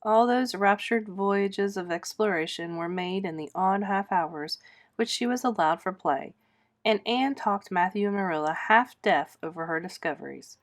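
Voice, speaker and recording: A woman narrating a story as a read-aloud, expressive and deliberate. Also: medium pitch. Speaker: storybook reader.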